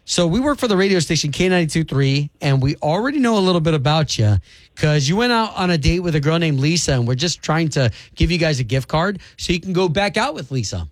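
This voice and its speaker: High-voiced male radio host. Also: lively intonation, quick pace, no echo. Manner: casual, leading the call. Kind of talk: morning radio banter. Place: radio studio.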